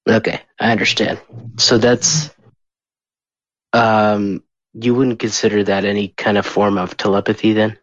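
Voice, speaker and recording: A man interviewing a guest in a casual way, halting and tripping over his words. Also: fairly low pitch, steady tone, no echo, dull audio.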